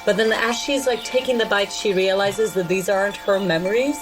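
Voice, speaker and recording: A woman playing a tabletop game, improvising her character's story in loose, halting, casual phrases. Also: medium pitch, over music, rough recording.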